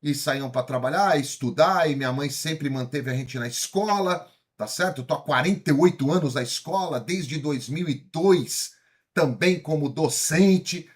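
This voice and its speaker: Here a man in his fifties from São Paulo, Brazil, with a paulistano accent in Brazilian Portuguese, gives an energetic motivational lecture at a moderate pace. His fairly high voice has a breathy edge, and he asks the audience many questions, often tag questions.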